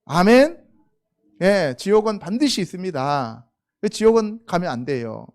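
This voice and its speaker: A man with a notably high voice preaches from the pulpit. He keeps throwing questions at the congregation and answers them himself. He sounds middle-aged and speaks in a church. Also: sing-song, a little slow. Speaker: pastor. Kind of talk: sermon.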